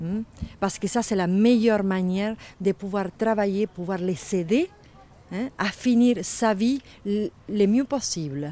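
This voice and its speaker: At a very slow pace, a woman with an Argentine accent speaks at medium pitch. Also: ordinary pitch variation. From Argentina. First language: Spanish (speaking French). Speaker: care worker. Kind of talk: interview.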